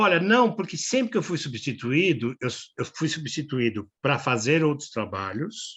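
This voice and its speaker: A man speaks at a fairly high pitch, swinging it very widely. His pace is fairly slow. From Brazil. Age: 70s. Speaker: actor. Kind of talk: interview.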